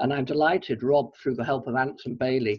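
A man's normal speaking voice, medium in pitch, with fairly even intonation. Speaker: business council chairman. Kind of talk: virtual meeting chairing. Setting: video call. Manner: formal.

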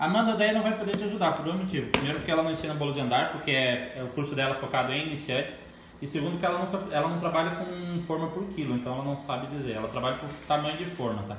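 The speech runs at a very fast pace with hardly any pauses. Light background noise and audible room echo are present. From Florianópolis area, southern Brazil. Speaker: livestream assistant reading comments. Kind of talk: live chat reading. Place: kitchen. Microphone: phone near.

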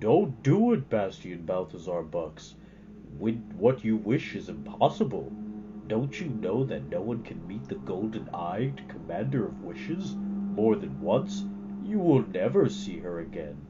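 In a put-on character voice, the speaker sounds resonant and moves at a fairly slow pace over clear background noise. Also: man, fairly low pitch for a man. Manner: warning.

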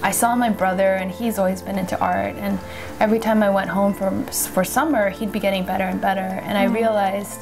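A woman's very fast speech with fairly even intonation over clear music in the background. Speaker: guest. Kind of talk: interview answer. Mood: cheerful, chatty. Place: home room. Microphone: lapel.

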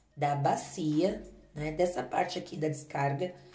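The woman talks at a fairly slow pace. Room echo is audible. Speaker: home tips vlogger. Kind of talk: tutorial. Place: bathroom. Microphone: phone near.

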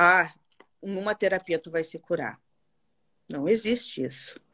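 A woman's voice shows ordinary pitch variation against a quiet background. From southern Brazil, Rio Grande do Sul (São Leopoldo); Rio Grande do Sul, Brazil. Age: 30s. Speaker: holistic therapist; interview guest. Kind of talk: casual interview. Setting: remote video call. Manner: loud. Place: home room.

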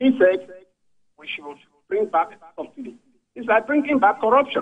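A man with a high pitch speaks at a fairly quick pace. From Nigeria. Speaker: caller. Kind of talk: call-in opinion. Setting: phone call. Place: office. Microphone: video call.

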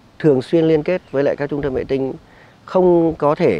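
A man at a moderate pace, with a dry sound, no echo and light background noise. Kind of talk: interview answer. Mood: calm, explanatory. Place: garden. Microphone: lapel.

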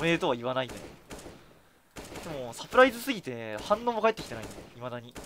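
A man's fairly quick speech with very wide pitch swings and big swings in loudness, over light background noise. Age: 20s. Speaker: game streamer. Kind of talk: casual chat. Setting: live stream. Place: home room.

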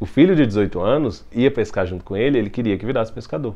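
A man's fairly low voice at a moderate pace. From Brazil, Minas Gerais. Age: 20s. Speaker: journalist and photographer; journalist. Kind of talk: interview testimony. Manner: casual, hesitant with fillers. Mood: moved, reflective storytelling. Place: home room.

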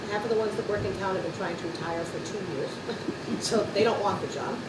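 Loud background noise sits behind a woman speaking at a very fast pace. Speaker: senior center director giving report. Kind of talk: meeting report. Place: hall. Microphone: camera far.

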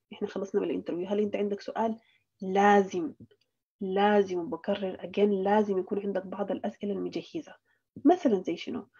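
Woman's voice, medium in pitch, dark and mellow in tone, with fairly even intonation at a fairly quick pace. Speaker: human resources trainer. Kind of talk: webinar lecture. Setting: video call.

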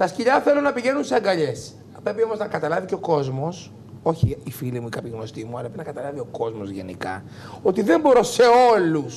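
Over light background noise, a man talks very fast in a high pitch, his tone animated, with very wide pitch swings and big swings in loudness. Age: 40s. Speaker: TV talk show guest; talk show guest. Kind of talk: heated TV interview. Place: studio. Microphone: lapel.

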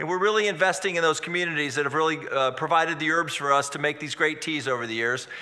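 This man talks at a very fast pace. His intonation stays fairly even. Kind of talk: interview answer. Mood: warm, proud. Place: office.

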